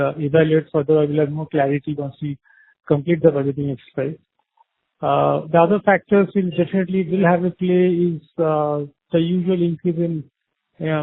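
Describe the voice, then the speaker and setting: Higher-voiced man on a tinny phone line. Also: no echo. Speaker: company finance executive. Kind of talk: earnings call answers. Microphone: conference call phone line.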